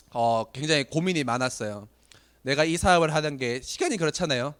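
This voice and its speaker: A man in his late twenties or thirties, giving a motivational business talk to trainees, telling stories animatedly with self-deprecating jokes, his voice getting hoarse. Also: on the high side, a bit bright. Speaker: business seminar speaker.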